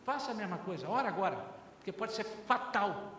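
High-voiced Brazilian pastor preaching in an echoey hall. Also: male voice, brisk, slight background noise. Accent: Brazilian Portuguese. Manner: lively, acts out dialogues, often addresses the congregation as brothers. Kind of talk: sermon. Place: large church hall. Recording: very echoey hall, heard from far off.

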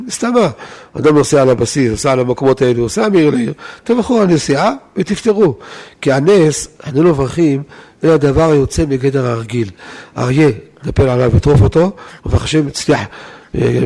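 A rabbi teaching Jewish law in a weekly lesson to a live audience, talking in a lively way, firing rhetorical questions at his listeners and breaking off to restart words. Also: medium pitch.

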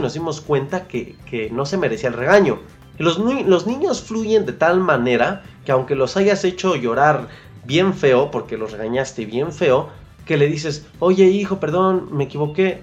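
Mexican podcast host hyping you up, says stuff twice, slangy, soft music underneath. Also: mid-range voice, lo-fi sound. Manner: coaching, repeats key phrases, colloquial slang. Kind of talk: motivational podcast monologue.

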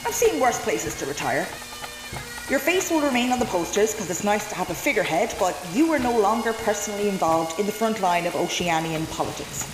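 A woman playing a brisk, dutiful security guard in a comedy audio drama, with a deadpan, matter-of-fact manner. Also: mid-range voice, reverberant, music in the background, natural voice, poor audio.

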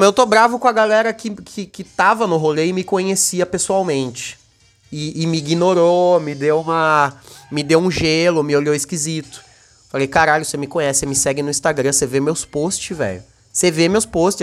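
Young brazilian guy ranting on his podcast, high voice, slangy and worked up, faint music under it. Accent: Brazilian Portuguese. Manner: heated, slangy, repeats himself when worked up. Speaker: podcast host. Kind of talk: casual solo podcast monologue.

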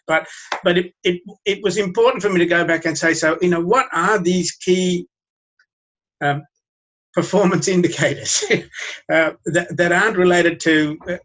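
A man from Sri Lanka giving interview answers in a halting way, repeating his words and chuckling often. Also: on the high side, a bit bright, lo-fi sound. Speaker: guest.

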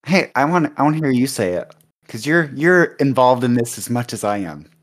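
A man voicing a calm male monk who leads a meditation in slow, soothing, chant-like repetition. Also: mid-range voice, pitched above the performer's own voice, natural voice.

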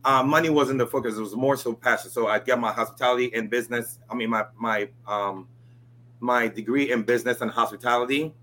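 A man in his forties from Ghana, a guest telling his life story in a relaxed interview, filling his talk with "you know" and "right?". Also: mid-range voice, fairly quick, slight background noise. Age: 40s.

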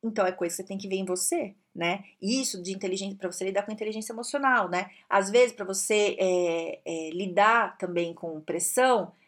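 A woman with a Brazilian Portuguese accent giving casual career advice straight to camera, lively and direct, often tagging her points with questions. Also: mid-range voice, fairly quick, few pauses.

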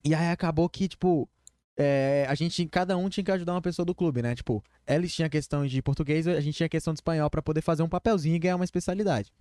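A young man in his teens, casually telling a story on a live stream, full of slang and quick asides. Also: a little high, warm tone, dry recording, clean studio sound. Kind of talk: casual chat.

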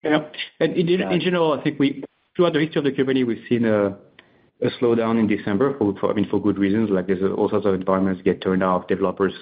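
Male executive, fairly low, conversational and halting earnings-call answers, phone-band sound. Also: fairly even intonation. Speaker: company executive answering analysts. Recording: tinny phone-like conference line.

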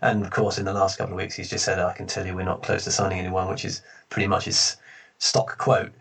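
Gravelly man in a big echoey hall. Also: low voice, quick pace. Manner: relaxed, rambling, many restarts. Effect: echoey sound like a big hall. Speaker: fan blogger guest. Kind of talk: casual football chat. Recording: echoey room, far from the mic.

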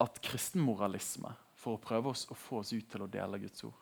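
A young man giving a casual, animated sermon in a conversational tone. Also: fairly low pitch, creaky, breathy edge. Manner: conversational, animated, laughing at his own jokes. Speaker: preacher.

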